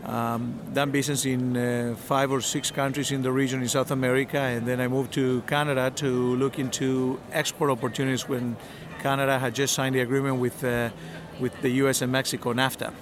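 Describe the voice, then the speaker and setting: Halting, measured man from Argentina. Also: medium pitch, little pitch movement. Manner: measured, halting, many fillers and restarts. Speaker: industry association representative. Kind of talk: interview answers at an event. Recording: crowd noise behind.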